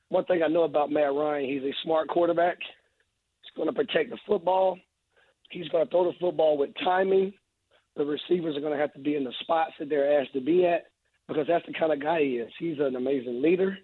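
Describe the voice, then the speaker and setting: A man's voice: on the high side, brisk, husky, no room sound. A man, a football analyst guest on a radio show, talking earnestly while he is losing his voice. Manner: earnest, emphatic, repeats phrases. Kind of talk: radio interview, sports analysis. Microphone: phone line. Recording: tinny phone line.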